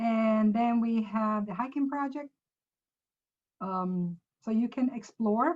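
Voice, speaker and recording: The speaker is somewhat breathy and very slow, with ordinary pitch variation. Long, frequent pauses break up the speech. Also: woman, fairly high pitch for a woman. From Sweden. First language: Swedish. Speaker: college professor. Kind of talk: presentation.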